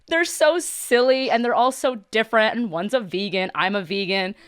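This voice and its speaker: A woman's voice: on the high side, moderate pace, clear, resonant tone, dry recording, studio quality. A woman with a Miami accent hosting a casual, informal interview chat. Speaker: podcast host.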